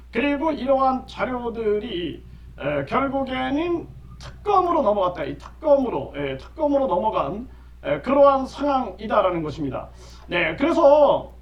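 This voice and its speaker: Middle-aged man, political commentary host; very high, animated voice; emphatic repeater; echoey, dull lo-fi recording. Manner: emphatic, repeats key phrases, frequent affirming fillers. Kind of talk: lecture-style political commentary. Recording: roomy echo, distant mic, dull lo-fi sound.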